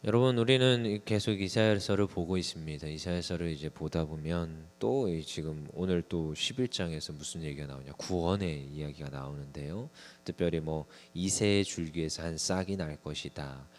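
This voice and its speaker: A man's voice: sits low, moderate pace, few pauses. A young man preaching a conversational sermon to a small congregation, acting out little scenes as he goes. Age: young adult. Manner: conversational, lively sermon with acted asides to the congregation.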